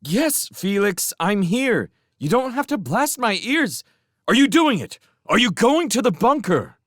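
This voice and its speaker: A man's voice: very animated, unhurried, no echo, studio quality. A man voicing a female soldier who giggles and chats, then cries out in terror as the ground shakes. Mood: alarmed. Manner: giggly, then shrill panicked screaming. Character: female soldier Showen (Canada), chatty then terrified.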